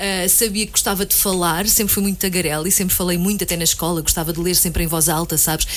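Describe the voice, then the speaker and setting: Very fast speech from a woman at medium pitch, with noticeable background noise. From Portugal, Pinhal Novo (Setúbal area). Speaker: radio presenter and DJ. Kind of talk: casual interview. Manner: chatty, relaxed.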